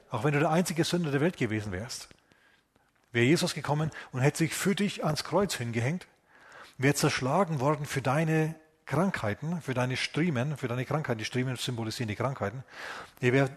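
A man preaching a lively sermon, talking casually to his listeners and often asking them questions. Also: on the high side, a little fast, slightly rough. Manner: animated, acts out voices of biblical figures; conversational, asks the congregation questions.

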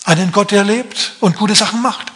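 A man voicing a calm old prophet who speaks with easy, sing-song assurance. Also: sits high, moderate pace, pitched above the performer's own voice. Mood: assured.

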